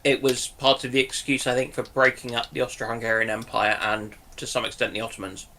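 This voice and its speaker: A man on a history panel, talking off the cuff in a measured, hesitant way with pauses mid-sentence. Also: mid-range voice, flat delivery, sharp tone, slight background noise. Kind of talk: unscripted history discussion.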